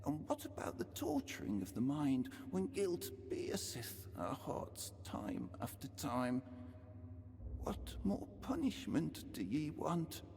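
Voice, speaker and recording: An actor playing a tormented, solemn penitent pilgrim in a video game, speaking archaic lines as grave, beseeching oratory. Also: male voice, a little high, wildly swooping pitch, slow pace, vocal fry, darkish tone, exaggerated voice. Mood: anguished lament. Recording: long cavernous hall reverb.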